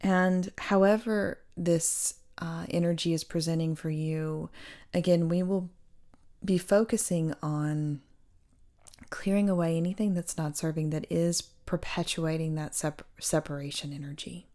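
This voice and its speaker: A woman speaking as a meditation guide, giving gentle, hushed spiritual instruction with pauses. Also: low-pitched, fairly even intonation. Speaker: meditation guide and sound healer.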